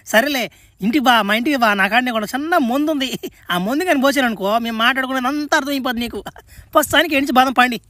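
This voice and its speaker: In a comedy cartoon, a man voices a cocky, crude young male superhero stranded on a strange planet, speaking with a rural Andhra Telugu accent. His extremely high voice is quick and sharp, recorded dry with studio quality. Foul-mouthed and boisterous, he swears as he talks and laughs between lines.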